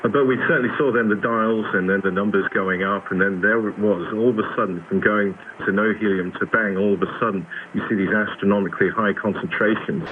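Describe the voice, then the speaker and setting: A man's voice: fairly low pitch, fairly even intonation, brisk, hardly any pauses, a little hiss or hum. A male executive explaining things as an interview guest, heard on a muffled shortwave radio broadcast.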